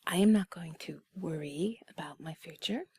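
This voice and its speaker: Soft breathy woman, intimate whispered role-play. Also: lowish voice, no room sound. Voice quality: breathy, husky. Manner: soothing, intimate, unhurried conversational musing. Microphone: close microphone, dry sound.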